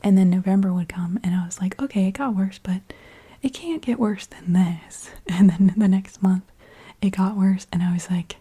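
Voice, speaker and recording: Whispery woman, very soft and mellow. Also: mid-range voice. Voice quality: breathy, whispery. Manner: informal, halting, confiding. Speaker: ASMR video creator. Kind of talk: soft-spoken ASMR personal storytelling, mostly whispered.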